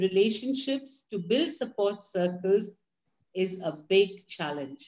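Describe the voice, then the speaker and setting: A woman speaks at a fairly slow pace in a somewhat breathy voice. Her pitch swings very widely. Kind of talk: webinar presentation. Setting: video call webinar.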